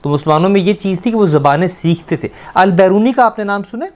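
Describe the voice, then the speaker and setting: A man teaching a language lesson, explaining step by step, repeating words slowly and quizzing a student. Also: high-pitched, expressive, darkish tone.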